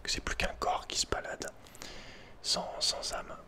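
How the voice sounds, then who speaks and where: A man's voice: measured pace, sharp tone. A man telling a personal story in ASMR style, informal and hesitant, often searching for his words. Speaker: ASMR creator.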